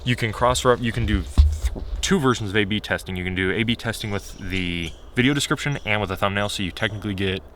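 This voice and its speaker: A man talking in a casual, unscripted vlog style, candid and rambling as he thinks aloud, his voice getting a little hoarse. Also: lowish voice, quick pace, hardly any pauses, a bit bright, soft background music. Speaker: video creator.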